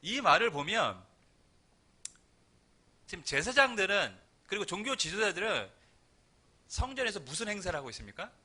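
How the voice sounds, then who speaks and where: A man delivering a Sunday sermon, his voice strikingly bright and ringing. He talks to the congregation like in a chat, with pitch that rises and falls a lot. He slips into quick acted-out lines now and then. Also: sing-song. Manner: conversational preaching with acted-out quotes. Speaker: pastor.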